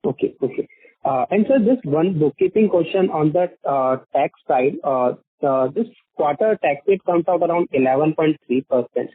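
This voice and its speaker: A man's voice: a little high, animated, normal speed, slightly rough, no room sound. A man putting questions as an analyst on an earnings call, hesitant and polite. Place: conference call by phone. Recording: narrow dry phone line.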